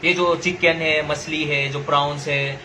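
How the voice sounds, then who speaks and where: A sharp-toned, higher-pitched male voice comes from a young social media commentator in Nagaland, India, angrily ranting direct to camera. He keeps a level tone and a slightly slow pace as he confronts, lectures, and repeats himself. The recording is rough, with slight background noise.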